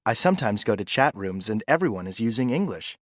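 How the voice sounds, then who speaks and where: A man's voice: on the low side, sing-song, a little fast, dry recording, studio quality. A man playing a student whose first language is Japanese, giving brief, plain answers in class. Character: young male student in class.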